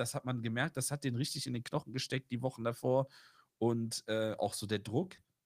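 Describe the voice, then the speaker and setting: A man is speaking here. His delivery is animated and fairly quick. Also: dry, close sound with no echo. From Germany, Mönchengladbach. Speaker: football podcast co-host. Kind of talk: casual chat.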